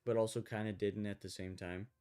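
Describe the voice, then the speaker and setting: A man's voice: on the low side, fairly even intonation, a little fast, mellow, smooth. A man hosting a casual podcast, musing thoughtfully and hedging his ideas with lots of "like.". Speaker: podcast host. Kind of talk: casual faith chat.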